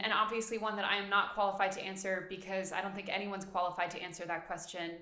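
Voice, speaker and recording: Audible room echo surrounds a woman speaking very fast in a bright, sharp tone. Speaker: personal finance podcast host. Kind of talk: casual podcast monologue answering listener questions.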